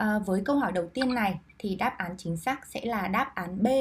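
This woman's intonation is lively and her voice somewhat breathy. She keeps a fairly slow pace. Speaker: partner marketing staff hosting a workshop. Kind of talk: online workshop presentation.

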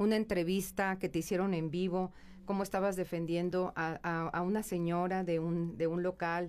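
With very even loudness and fairly even intonation, a woman talks at a moderate pace and a medium pitch. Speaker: radio host. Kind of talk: radio talk show.

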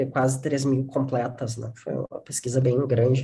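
At a moderate pace, a man speaks with a dark, mellow tone that is somewhat breathy. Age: 30s. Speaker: psychologist and researcher. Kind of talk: interview.

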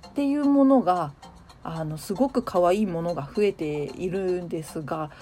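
Her voice is fairly low, dark and mellow, and somewhat breathy. This woman's pitch swings very widely. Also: moderate pace. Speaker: handmade crafter and radio-style show host. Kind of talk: casual live-stream chat with listeners. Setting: Twitter Spaces live audio stream. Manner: stumbling over words, slightly odd pronunciation; frequent laughing, chatty.

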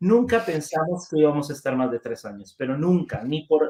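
A man with an unremarkable speaking voice talks at a fairly high pitch with lively intonation. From Costa Rica. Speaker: missionary. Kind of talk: interview.

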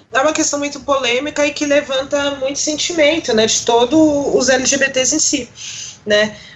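Fairly even intonation and a moderate pace mark this voice, heard against noticeable background noise. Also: woman, high pitch for a woman. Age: 20s. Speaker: historian. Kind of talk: casual interview chat.

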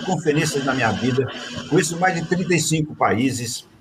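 A man's lively intonation at a fairly slow pace, over noticeable background noise. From Brazil, interior of São Paulo state. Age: 70s. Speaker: packaging designer and marketing consultant. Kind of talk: interview with slide presentation.

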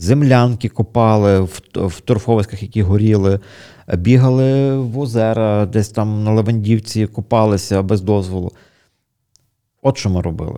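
In a very clean recording with a silent background, a man with a fairly low pitch and a dark, mellow tone talks with fairly even intonation. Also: moderate pace. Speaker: architect and father of three. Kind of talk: casual interview.

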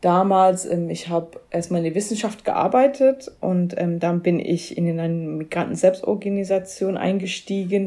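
A woman with a medium pitch speaks at a moderate pace with hardly any pauses. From England, London. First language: English (speaking German). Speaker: book editor and counselor for victims of racist violence. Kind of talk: interview conversation.

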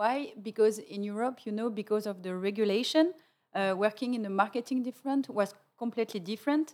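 A woman with a French accent talks at a fairly quick pace and a fairly high pitch. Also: ordinary pitch variation. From France, Paris. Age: young. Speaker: marketing manager. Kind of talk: casual chat. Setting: studio. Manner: halting.

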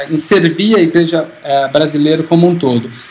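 Over noticeable background noise, a man talks at a fairly quick pace in a high voice with fairly even intonation. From interior of São Paulo state, Brazil. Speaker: book editor. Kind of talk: interview. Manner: hesitant with frequent fillers.

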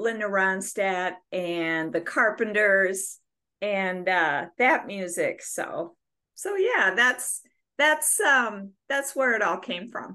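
With an Upper Midwest accent, a woman speaks very slowly in a bright, sharp tone with lively intonation. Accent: Upper Midwest (Minnesota). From Minnesota, Bayport near Stillwater. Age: 60s. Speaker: punk rock singer. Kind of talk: casual interview.

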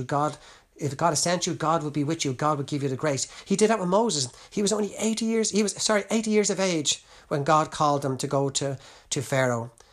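A man with an Irish accent at a fairly quick pace, with ordinary pitch variation and a quiet background. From Ireland. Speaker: podcast preacher. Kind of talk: sermon. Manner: halting.

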